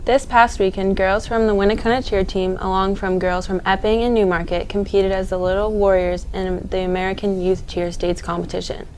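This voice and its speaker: A woman's voice: medium pitch, little pitch movement, brisk, hardly any pauses, a little mellow, poor audio. Teen girl reading the school news like an announcer, a little room hiss. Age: teens. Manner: read-aloud, announcer-like. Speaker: student news anchor.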